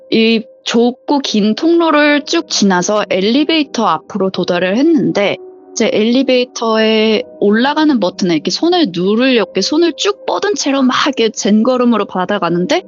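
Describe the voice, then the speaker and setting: A woman's voice: a little high, lo-fi sound. A woman, a flight attendant, telling a true ghost story as a vivid storyteller who acts out the quoted voices.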